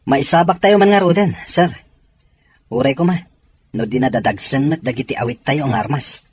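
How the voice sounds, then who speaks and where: Husky Filipino soldier played by a man. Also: mid-range voice, normal speed, a little mellow. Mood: grave, urgent. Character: earnest Filipino soldier readying comrades for battle. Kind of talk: Ilocano audio drama acting.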